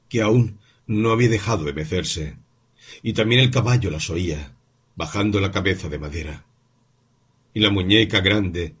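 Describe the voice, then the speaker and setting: A man narrating a literary story as an audiobook, reading slowly and expressively. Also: sits low, a bit bright, breathy edge.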